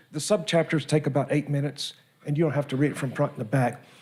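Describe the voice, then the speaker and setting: A man with a fairly high pitch, a dark, mellow tone and a somewhat breathy sound. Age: 70s. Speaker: author and medium. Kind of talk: casual talk to church congregation. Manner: halting, many fillers.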